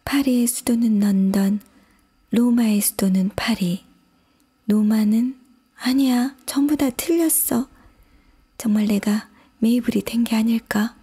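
Woman doing a bewildered little girl, whispered role-play: breathy, high, storybook audiobook. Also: steady tone, measured pace, pauses often, mellow. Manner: bewildered, questioning herself aloud. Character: curious puzzled little girl, easily upset.

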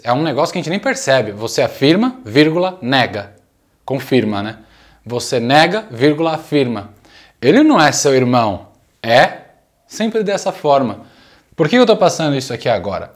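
A playful Brazilian man with a Brazilian Portuguese accent teaches English at a whiteboard. His voice sits in the middle range. He drills short phrases slowly and chats casually between them. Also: medium pitch. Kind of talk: casual video lesson.

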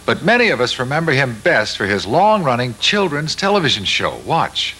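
A man's voice: medium pitch, big pitch swings, normal speed, heavy background noise. A middle-aged man hosting a television talk show, introducing a guest and asking questions in a polished, friendly manner.

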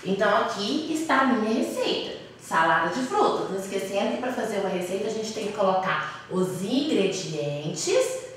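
Brief: Brazilian woman teacher, slow and patient with small kids, lively pitch, echoey classroom sound. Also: slight background noise. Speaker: primary school teacher. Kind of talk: classroom lesson for young children. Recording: echoey room, voice from a distance.

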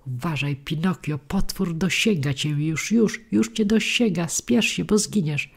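A woman's voice: on the low side, unhurried, gravelly, breathy edge, voice pushed up, heavily acted. A woman voicing a small, anxious she-goat who calls out an urgent warning in a storybook reading.

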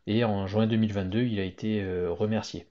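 A man with a somewhat low voice chats casually over a screen share, stumbling through frequent fillers and restarts. The sound is muffled and lo-fi, like a cheap desktop mic. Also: steady tone, brisk, mellow. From Hong Kong. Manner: hesitant, many fillers and restarts. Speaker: YouTuber commenting on Tesla news.

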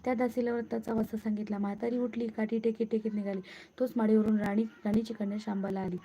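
Woman storyteller, devotional tale, high-ish dark tone, muffled lo-fi recording. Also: level tone, quick pace, a little hiss or hum. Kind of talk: reading a devotional vow tale.

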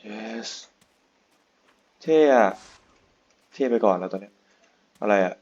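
A man's voice: fairly low pitch, fairly even intonation, slow pace, darkish tone, husky, highs cut off. Rambling young man playing a game. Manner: rambling, joking, crude slang. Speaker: gaming YouTuber. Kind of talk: casual let's-play commentary.

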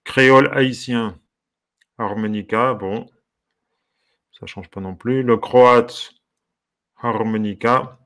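A man's voice: mid-range voice, fairly even intonation, slow, pauses often. Curious, amused male harmonica teacher. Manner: curious, amused, musing aloud with soft exclamations. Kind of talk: casual commentary while browsing.

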